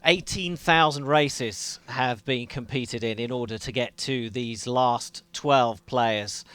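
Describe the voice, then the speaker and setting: A man's voice: mid-range voice, a bit bright, clear, resonant tone, no room sound. A man hosting live esports commentary at an event venue. He sounds upbeat and enthusiastic and drops in the odd filler word. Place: gaming center event studio.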